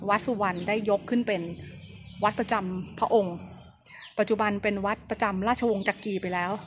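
A soft-spoken woman vlogs from a temple outdoors, her medium-pitched voice steady in tone and brisk. She keeps it chatty and low, like a casual tour guide on an overcast day. Background noise fills the outdoor recording.

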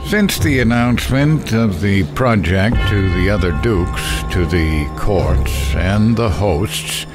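Slow, low-voiced weary demon duke. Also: male voice, lively intonation. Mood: weary, brooding. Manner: solemn, deliberate, grandiose monologue. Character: weary, proud demon duke of hell, ancient and grandiose. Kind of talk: dramatic audio drama narration. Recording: music under the voice.

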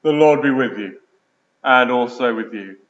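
A man, a priest, reading the gospel and preaching in a measured liturgical way, his voice ringing with the echo of a large church. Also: medium pitch, fairly bright tone. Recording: echoey church, dull lo-fi sound.

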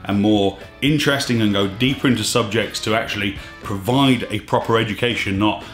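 A man in his thirties hosting a scuba diving vlog, talking emphatically and a bit exasperated, his voice slightly hoarse. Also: on the low side, brisk, fairly bright tone. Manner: emphatic, exasperated, gestures with hands. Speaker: scuba diving channel host. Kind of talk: opinionated to-camera vlog. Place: small indoor studio room. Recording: echoey room with faint music.

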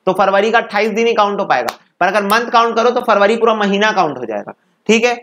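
A man's voice: sits high, expressive, fast, fairly bright tone, slight background noise. A man teaching an exam-prep law lecture, breaking definitions into phrases and asking his students to repeat them, then asking and answering his own questions.

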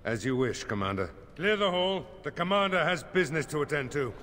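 An actor playing a loyal, steady older seneschal knight in a fantasy video game, formal, dry and authoritative. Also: male voice, a little high, normal speed. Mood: commanding. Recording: long hall reverb, noisy game ambience.

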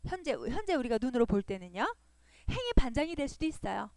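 Patient, lively-pitched woman teaching. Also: brisk, no room sound. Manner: patient, repeats points and checks in with "그죠?". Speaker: web design instructor. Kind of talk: screen-recorded coding tutorial.

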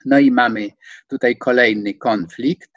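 A man in his sixties giving an online lecture from a home study, hesitating with many fillers and stressing words with rising pitch. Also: steady tone, measured pace, no echo. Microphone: video call. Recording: dull, dry video-call audio.

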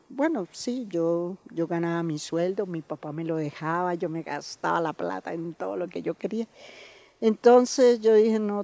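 A woman's voice: medium pitch, no room sound. Older woman telling her story. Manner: lively storytelling, acting out quoted voices. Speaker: community member giving testimony. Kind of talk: personal testimony.

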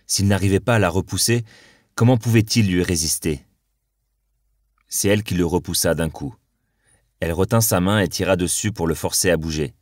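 A man narrating an audiobook novel in an even, measured reading. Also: low voice, dry recording, studio quality. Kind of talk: scripted narration.

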